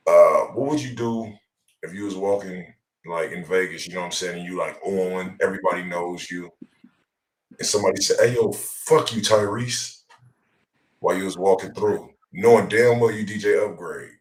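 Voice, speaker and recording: A man's voice: sits low, normal speed. An American man hosting a talk show with casual, hyped banter in slangy, repetitive street talk. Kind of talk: casual hype banter about celebrity clips. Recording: roomy echo.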